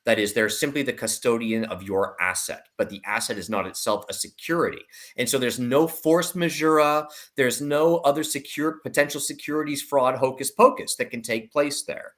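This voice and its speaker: A man's voice: mid-range voice, normal speed, few pauses, fairly bright tone. A man giving a conversational expert explanation on a panel, emphatic and insistent, repeating phrases to stress points. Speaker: investment commentator on a panel.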